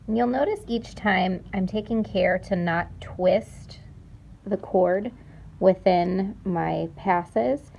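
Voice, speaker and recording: A woman's voice: mid-range voice, takes it slowly, creaky, a little mellow, muffled recording, a little hiss or hum. A young woman presenting a craft tutorial, explaining each step carefully and repeating key words for emphasis. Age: young adult. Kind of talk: step-by-step instructional demonstration.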